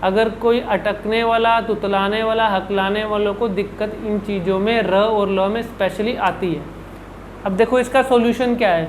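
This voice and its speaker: A man's voice: high voice, fairly even intonation, moderate pace, a little hiss or hum, poor audio. A man working as a speech coach, answering viewer questions in an instructional video and demonstrating each sound by repeating syllables and words. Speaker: speech and public speaking coach.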